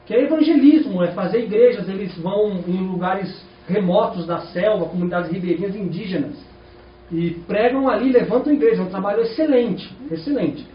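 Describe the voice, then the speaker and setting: Animated preacher in an echoey hall. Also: male voice, high voice, a little fast, a little hiss or hum. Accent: Brazilian Portuguese. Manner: animated, rhetorical questions to the congregation. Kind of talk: sermon. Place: church hall. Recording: echoey, distant, dull church recording.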